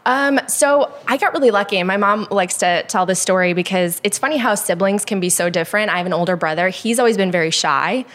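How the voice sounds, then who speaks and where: A woman's voice: mid-range voice, fairly quick, hardly any pauses, a bit bright. A young adult woman from Poland with an American accent, a guest talking candidly in an interview, with frequent likes and ums. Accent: American, Chicago-influenced.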